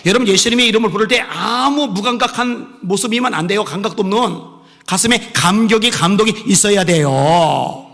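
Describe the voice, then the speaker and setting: A man pastor preaching a sermon with impassioned swings between soft pleading and raised exhortation. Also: high voice, normal speed, big-room sound.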